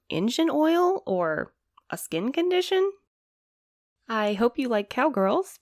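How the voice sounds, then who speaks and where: Wry mail courier, close dry sound. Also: female voice, fairly low pitch, dry recording. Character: wry, put-upon young woman mail courier. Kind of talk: audio drama acting.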